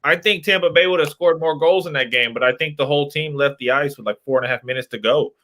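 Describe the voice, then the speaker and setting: A man joins a late-night podcast remotely and talks through betting lines. His voice is bright and sits a little high. He explains his picks in a measured, deliberate way. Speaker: podcast co-host, joining remotely. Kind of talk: casual betting talk.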